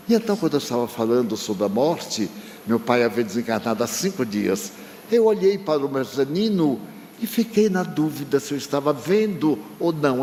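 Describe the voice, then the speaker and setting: A man's voice: mid-range voice, darkish tone. Older man telling a heartfelt story in a hall. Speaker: spiritist speaker. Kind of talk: storytelling lecture. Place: large lecture hall. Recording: long reverb from a hall, faint noise.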